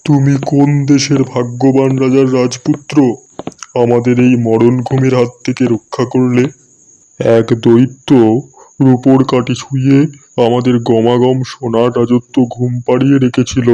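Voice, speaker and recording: A man's voice: mid-range voice, flat delivery, normal speed, mellow, muffled recording, lightly acted. A man voicing a grateful, kindly king in a cartoon fairy tale, formal and earnest. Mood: grateful, solemn. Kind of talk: cartoon story acting.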